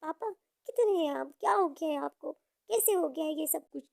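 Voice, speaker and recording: A woman's voice: high-pitched, moderate pace, gravelly, a little mellow, no room sound, clean studio sound. A woman playing a lovestruck, pampered young daughter in a story, with an earnest, pleading way of talking. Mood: worried.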